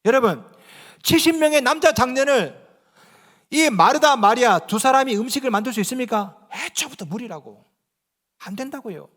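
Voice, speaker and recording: A male pastor with a very high, animated voice preaches at a normal speed in a large church hall. Questioning the congregation, he alternates between booming emphasis and almost whispered passages.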